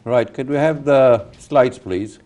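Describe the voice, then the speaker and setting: A man hosting a TV talk show, interviewing a guest in a studio with a halting, stop-start manner. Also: medium pitch, dark tone. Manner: halting, many restarts and fillers.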